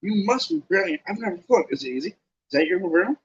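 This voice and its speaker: A man's voice: high voice, sing-song, brisk, far from the mic, voice pushed up. A man voicing an eager young boy fan who asks breathless, gushing questions in a piping voice. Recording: dull lo-fi recording.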